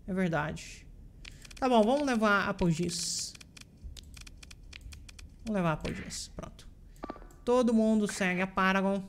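Brazilian woman doing playful let's play commentary, chatty, mid-pitched, faint noise behind. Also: unhurried, pauses often. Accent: Brazilian Portuguese. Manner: playful, chatty, teasing the enemies out loud. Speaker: gaming channel host.

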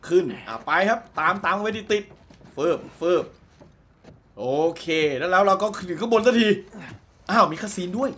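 Brief: male let's-play commentator, high and bouncy, excitable, explains everything as he plays. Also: moderate pace. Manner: excitable, translates and explains game dialogue aloud. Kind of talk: casual gameplay commentary.

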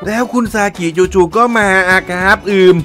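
A man narrating an anime recap in a chatty, playful way, jumping into quick character lines. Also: sits high, sharp tone. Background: background music.

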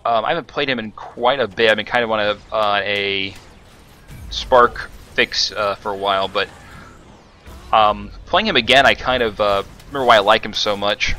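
Bright-voiced man narrating his gameplay. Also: lowish voice. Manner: rambling, many fillers and self-corrections. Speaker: gaming commentator. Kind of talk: casual gameplay commentary.

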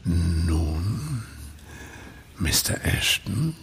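An actor playing a sadistic werewolf clinic director in a horror audio drama, with a gravelly voice and a theatrical, mockingly polite manner. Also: male voice, deep voice, sing-song, very slow, slight background noise, full character voice. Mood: gloating.

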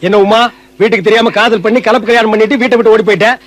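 A man's voice: sits high, fairly even intonation, very fast. A man delivering mocking, exasperated film comedy dialogue, scolding everyone around him. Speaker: comic film actor.

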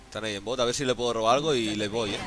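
A man giving excited gameplay commentary as a streamer, exclaiming, laughing and swearing often. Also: on the low side, racing, a little hiss or hum. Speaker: gaming streamer.

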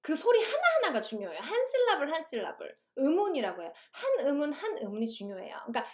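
A woman lecturer explaining English teaching, switching between languages and reading English passages aloud slowly. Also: high voice, wildly swooping pitch. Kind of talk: recorded online lecture.

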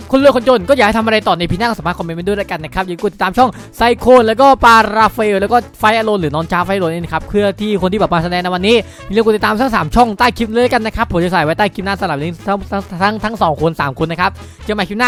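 A man hosting and improvising Minecraft roleplay in an excitable, chatty way, often repeating himself. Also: high-pitched. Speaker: YouTube gaming host and roleplay lead.

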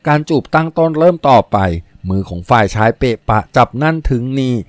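A man's voice: medium pitch, brisk, dry recording. Male narrator reading a novel aloud. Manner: steady storytelling delivery.

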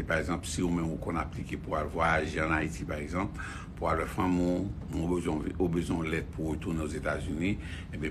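A man's voice: deep voice, noisy background. A man with a Haitian accent giving rambling news commentary, repeating phrases and using many fillers.

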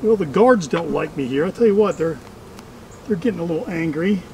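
Middle-aged male vlogger, high voice, chatty and dryly funny working commentary, outdoors with faint background buzz. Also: animated, brisk, gravelly, darkish tone, slight background noise, poor audio. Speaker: beekeeper and vlog host. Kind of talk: casual running commentary while working. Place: outdoors among trees at beehives.

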